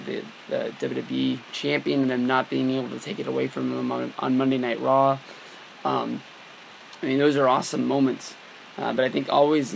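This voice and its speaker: A young man with a scratchy, hoarse voice, rambling casually with lots of fillers and restarts as he talks to his viewers. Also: mid-range voice. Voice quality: scratchy, worn-out voice. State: hoarse from a long weekend. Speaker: wrestling vlogger. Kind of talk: casual talk to camera.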